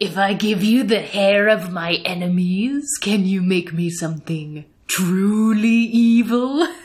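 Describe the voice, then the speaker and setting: A woman's put-on character voice at a medium pitch. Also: fairly slow pace. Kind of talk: theatrical. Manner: scheming, drumming fingers, menacing.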